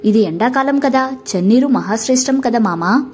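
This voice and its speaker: A woman's voice: a little high, lively intonation, moderate pace, a little mellow, breathy edge. A woman voicing a polite, cheerful young man back home from abroad.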